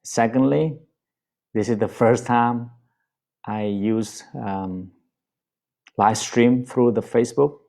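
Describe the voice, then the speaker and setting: A man with a Vietnamese accent giving a Buddhist dharma talk, speaking gently with many pauses and fillers. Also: medium pitch, gravelly. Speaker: Buddhist teacher.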